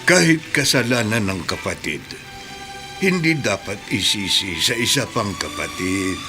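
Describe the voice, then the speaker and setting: Grieving Muslim neighbor Damir. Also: male voice, fairly low pitch, animated, measured pace. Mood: pleading. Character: grieving middle-aged Muslim man, gentle, wronged. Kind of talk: radio drama acting. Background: background music.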